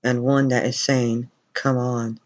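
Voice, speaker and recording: A man's voice: medium pitch, level tone, takes it slowly. A man commenting on recordings of spirit voices as a paranormal investigator.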